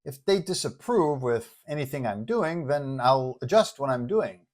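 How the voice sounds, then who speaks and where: A confident male superhero, acted by a man telling the story. He speaks in a medium-pitched voice, breezy and colloquial, with a well-meaning streak. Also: lively intonation, a little slow, darkish tone, natural voice. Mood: earnest, casual.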